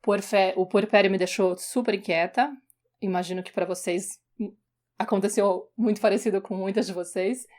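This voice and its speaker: A woman shares her story on a podcast. Her mid-pitched voice is conversational and relaxed, with small restarts here and there. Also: moderate pace. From São Paulo, Brazil. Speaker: podcast co-host, journalist. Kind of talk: casual personal storytelling.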